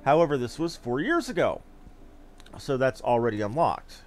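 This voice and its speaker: A man's voice: mid-range voice, very animated, moderate pace, faint music behind. A man streaming a video game and giving casual commentary.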